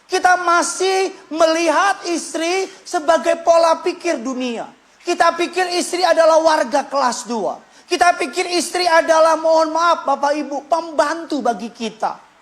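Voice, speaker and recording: A male pastor preaching a sermon in a joking, animated way, leading the congregation in call-and-response. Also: extremely high pitch, a little slow.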